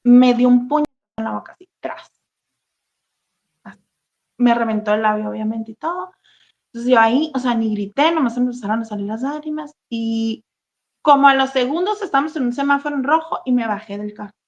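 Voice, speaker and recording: A woman telling her own painful story as an interview guest, halting and full of fillers and restarts. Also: on the high side, darkish tone. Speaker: interview guest sharing a personal testimony. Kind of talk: emotional personal testimony, casual talk. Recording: dull, lo-fi sound.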